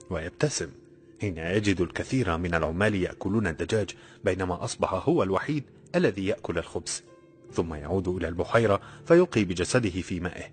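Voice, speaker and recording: A man narrating a novel in a steady, measured storytelling voice. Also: deep voice. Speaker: audiobook narrator. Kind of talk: scripted narration.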